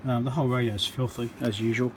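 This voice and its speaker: A man's voice: medium pitch, fairly even intonation, fast, slight background noise, low-quality recording. A man with a New Zealand accent giving a casual, unscripted, matter-of-fact walkthrough as he works at an indoor bench. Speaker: electronics repairer presenting his work. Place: indoor workbench.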